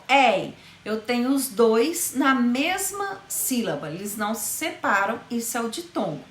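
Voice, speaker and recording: Slow, careful woman teacher, echoey room. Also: fairly high pitch, slight background noise. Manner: spells out rules slowly, stretching key words. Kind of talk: grammar lesson.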